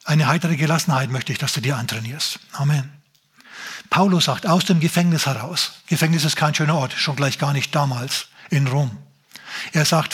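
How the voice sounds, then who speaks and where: A man preaching a sermon, talking emphatically with drawn-out phrases and addressing the congregation directly. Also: a little high, slightly rough. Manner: emphatic, drawn-out phrases, shouts in mock drill voice.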